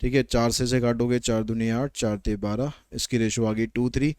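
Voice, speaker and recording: Guy teaching maths online, walks thru each step, chatty, smooth clear voice, close dry mic. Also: mid-range voice, flat delivery, normal speed, a little mellow, dry recording. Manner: explains step by step, code-switching English questions into explanation; chatty, nudging viewers.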